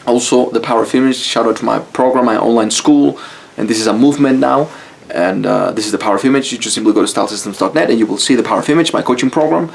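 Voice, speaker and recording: Gravelly and quick, this medium-pitched voice belongs to a Mexican YouTube-style coach with a Mexican Spanish accent, for whom English is a second language. He talks casually and bluntly to camera to motivate, swearing freely throughout.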